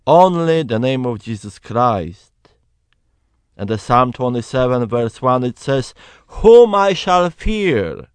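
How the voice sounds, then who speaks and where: Slow earnest man with a Polish accent. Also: mid-range voice, big pitch swings, clear, resonant tone, dry recording. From Poland. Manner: slow, earnest, emphatic preaching. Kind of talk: personal testimony, Bible reading.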